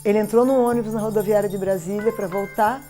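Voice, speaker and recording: A Brazilian woman explains in interview style with a dark, relaxed voice. Faint music plays behind her. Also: medium pitch, quick pace. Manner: explanatory, checks with listener. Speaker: expert commentator.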